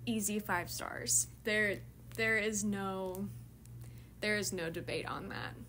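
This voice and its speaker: Audible room echo surrounds a woman as she talks. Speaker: book vlogger. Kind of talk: casual chat. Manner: animated.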